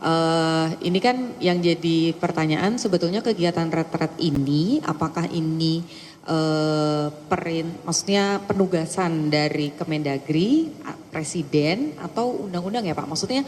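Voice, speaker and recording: A woman's voice: low-pitched, unhurried, a little mellow, slight background noise. Polite, hesitant woman reporter. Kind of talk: press question. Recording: echoey hall, faint ambience.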